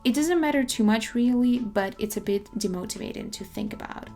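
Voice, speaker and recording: A young woman from Russia, a native Russian speaker, talking in a measured, articulate way as she presents a semi-scripted language-learning video. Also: a little high, darkish tone, faint music behind.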